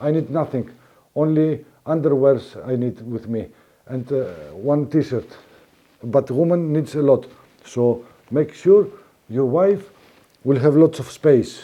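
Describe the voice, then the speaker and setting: A man's fairly high-pitched voice with a Greek accent, dark and mellow in tone, ordinary pitch variation, a fairly slow pace and long, frequent pauses. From Greece. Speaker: motorcycle reviewer. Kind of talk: product review. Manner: hesitant, with fillers.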